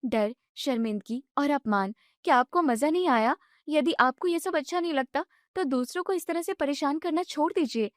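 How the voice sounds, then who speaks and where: A woman voicing a clever young daughter-in-law who speaks calmly and firmly. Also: high-pitched, normal speed, few pauses, no echo, clean studio sound, pitched above the performer's own voice, close to an everyday voice. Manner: calm, firm, lecturing.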